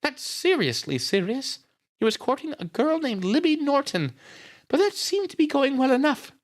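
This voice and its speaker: A man's voice: very high-pitched, very animated, moderate pace, pitched above the performer's own voice. A man voicing a grieving, earnest young woman from a storybook, emotional and pleading. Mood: bewildered, upset.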